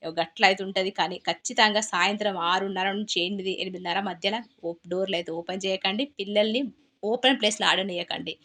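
A woman's voice: mid-range voice, steady tone, brisk, pushed and bright. A woman with a Telangana Telugu accent, chatting casually as a cooking vlogger and telling a story while she cooks, often repeating her phrases.

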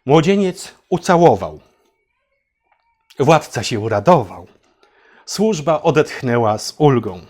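A man's voice: mid-range voice, sing-song, slow pace, pauses often, darkish tone, slightly rough. A man narrating a satirical fairy tale for adults in a theatrical, mock-solemn way, as if addressing children. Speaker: storyteller and channel host.

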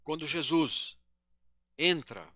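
A man in his sixties from Brazil gives a devotional lecture at a podium in a small hall, talking slowly and haltingly with pauses and self-corrections into a handheld microphone. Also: fairly high pitch, animated, sharp tone, studio quality. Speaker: spiritist lecturer.

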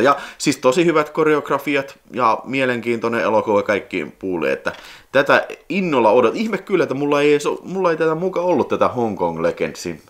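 A man in his forties hosting a casual unboxing vlog, rambling with nostalgia and breaking into excited squealing exclamations. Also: medium pitch. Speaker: video collector channel host.

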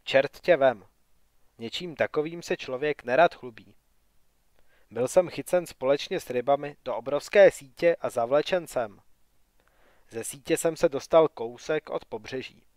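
A man voicing a sardonic young male wanderer who grumbles and mocks, read softly in an audiobook. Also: medium pitch, no echo, studio quality, lightly acted.

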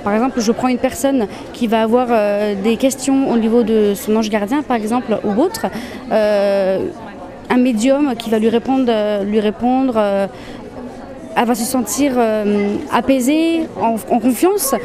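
A woman's voice: a little high, unhurried. A woman organizer answering interview questions, hesitant and full of fillers. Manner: hesitant, many fillers and restarts. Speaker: event organizer. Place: busy exhibition hall. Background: crowd chatter.

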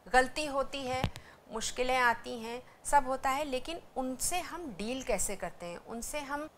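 A woman with a high voice speaks unhurriedly over slight background noise. She is giving a language lesson, patiently explaining and repeating syllables one at a time so students can practice, in the style of an educational lecture.

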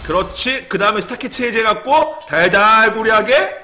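A young man streaming a game, commenting casually and excitably, muttering one moment and yelling and cursing the next. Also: sits high, normal speed, soft background music. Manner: excitable, swings from muttering to sudden yelling and swearing.

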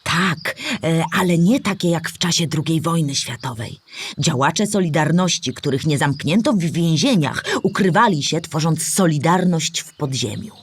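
A patient female storyteller in a children's audio play. She explains things in a clear, measured way, as scripted narration for young listeners. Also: deep voice, lively intonation. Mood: explanatory, patient.

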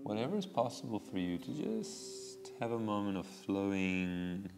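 A middle-aged man teaching a yoga class, giving slow, soothing cues timed to the breath, on a clip-on mic in a studio. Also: on the low side, very animated, creaky, long reverb tail, over music. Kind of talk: guided yoga class instruction. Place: indoor yoga studio with bare walls. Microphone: small clip-on lapel mic.

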